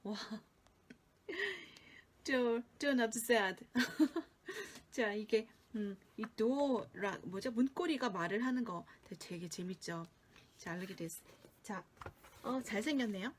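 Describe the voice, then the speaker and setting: A woman with a Korean accent reads a children's story in a fairly high voice. She teaches as she goes, playfully repeating key phrases. There is some light noise behind her. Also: animated, racing, pauses often. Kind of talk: reading a fairy tale aloud with asides for learners.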